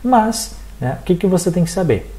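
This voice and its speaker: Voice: mid-range voice, moderate pace. A teacher from Brazil with a Brazilian accent, giving a recorded exam-prep lesson, talking straight to the students and checking in often to see they follow. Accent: Brazilian Portuguese. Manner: animated, addresses students directly, checks in with frequent "tá?".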